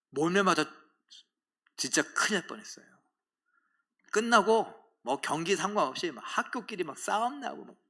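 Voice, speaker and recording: Animated, bright-voiced Korean pastor preaching. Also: male voice, high voice, moderate pace, pauses often. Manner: animated, swings between loud outbursts and hushed asides. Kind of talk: sermon.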